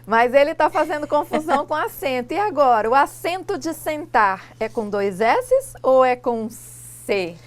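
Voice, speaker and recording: A woman teacher from Brazil explaining grammar rules in a lesson, asking rhetorical questions and pronouncing example words slowly. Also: high voice, lively intonation. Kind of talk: classroom lesson dialogue.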